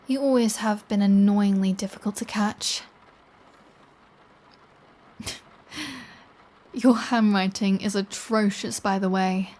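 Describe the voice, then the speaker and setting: A woman's voice: mid-range voice, steady tone, slow pace, long pauses, darkish tone, natural voice. A woman playing a flirty, playful vampire with a threatening edge, in a teasing, sardonic ASMR audio roleplay. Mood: teasing, nosy. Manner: teasing, sardonic, lingering delivery. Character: flirty, playful, threatening adult female vampire toying with a hunter. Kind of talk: scripted ASMR audio roleplay, one-sided conversation.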